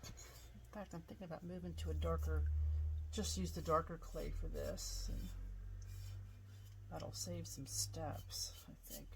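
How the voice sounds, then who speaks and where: A woman pottery artist giving a casual demonstration, chatty and relaxed, thinking aloud with plenty of fillers as she works. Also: sits low, unhurried, creaky, long pauses, slight background noise, rough recording. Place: home pottery studio.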